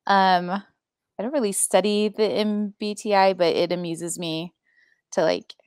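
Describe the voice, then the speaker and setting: Wry woman guest, low smooth voice, dry sound. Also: no echo. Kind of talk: casual group video call.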